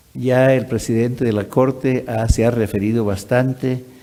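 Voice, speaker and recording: In a dark, mellow tone, a man speaks with monotone, flat intonation. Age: 60s. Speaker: law professor. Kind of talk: ceremonial speech. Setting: hall with audience. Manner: halting, with many fillers.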